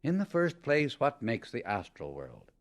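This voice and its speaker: A man with a mid-pitched voice narrates a spiritual teaching from a script. His delivery is solemn and deliberate, placing firm emphasis on key words as an audiobook reader would. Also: wildly swooping pitch.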